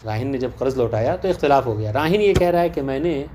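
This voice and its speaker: A man's voice: medium pitch, lively intonation, warm tone, a little hiss or hum. A man teaching a class on religious law, explaining a text and often checking with rhetorical questions that the students follow. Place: teaching session with students present.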